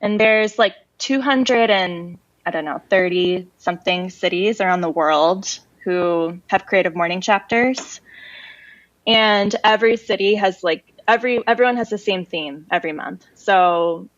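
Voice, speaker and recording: A woman's voice: mid-range voice, unhurried, dry recording, highs cut off. A woman guest on a casual podcast chat, talking freely and filling gaps with "like" and "um". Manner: chatty, explains with "like" and "um". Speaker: podcast guest, creative community organizer.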